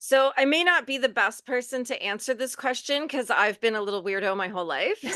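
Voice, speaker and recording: The speaker sounds animated and moves at a fairly quick pace, with lively intonation and hardly any pauses. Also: woman, high pitch for a woman. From Scotland. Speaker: tarot reader and minister. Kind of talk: casual interview chat. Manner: animated, talks with hands.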